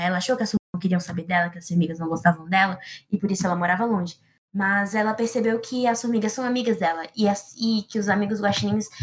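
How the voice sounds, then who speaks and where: A woman improvising a children's story, playful and rambling with asides. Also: medium pitch.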